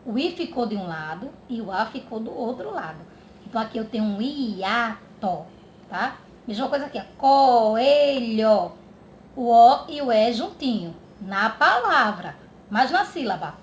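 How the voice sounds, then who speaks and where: A woman teacher from Brazil giving a slow grammar lesson for children, drawing out words and checking in often. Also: fairly high pitch, big pitch swings, a bit bright. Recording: echoey room with faint background noise.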